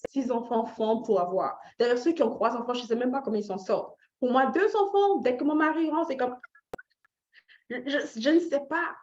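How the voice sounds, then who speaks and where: A woman's voice: fairly high pitch, a little mellow. A woman from Canada teaching personal finance informally, repeating phrases for emphasis, checking in with listeners and dropping in short English tags. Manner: engages listeners directly with questions. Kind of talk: informal live teaching talk with motivational tone. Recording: roomy echo, slightly dull lo-fi sound.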